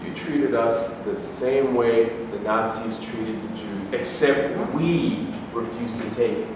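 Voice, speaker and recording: A man's voice: mid-range voice, takes it slowly, close to an everyday voice. A man acting in a staged reading as an aggrieved, accusing Arab man, arguing formally and rhetorically. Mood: angry, accusing. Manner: argumentative, rhetorical, formal wording. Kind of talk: staged play reading, declaimed debate dialogue. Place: live staged reading in a reverberant room, distant microphone. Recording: echoey hall from far off, faint noise.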